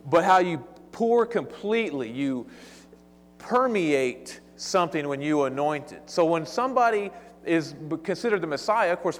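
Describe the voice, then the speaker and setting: A man with an East Texas accent giving a casual, folksy sermon-style Bible lesson, talking conversationally and sometimes stumbling over his words. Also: a little high. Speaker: Bible teacher. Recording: long hall reverb.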